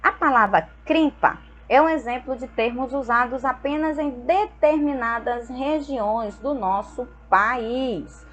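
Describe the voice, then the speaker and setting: A young woman from Brazil, teaching a school lesson and explaining slowly and patiently, often checking in with her students. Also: sits high, a bit bright, muffled recording, soft background music. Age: young adult.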